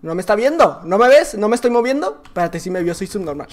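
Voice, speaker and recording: A man with a Mexican accent giving excitable, joking gameplay commentary, now and then singing or yelling. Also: sits high, quick pace. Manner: excitable, joking, breaks into silly singing and shouting. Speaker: gaming YouTuber.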